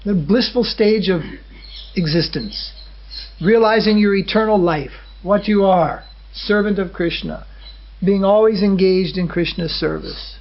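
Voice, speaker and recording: A man, a swami, giving a measured spiritual lecture, often pausing to check on his listeners with a questioning "hmm?". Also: high voice. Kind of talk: religious lecture. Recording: dull lo-fi recording.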